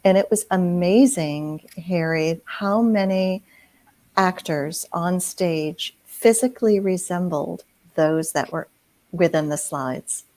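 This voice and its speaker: A middle-aged woman from New England chatting casually as an interview guest, telling stories in an emphatic, expressive way. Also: lowish voice, takes it slowly. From New England, United States. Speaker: community theater actor, interview guest.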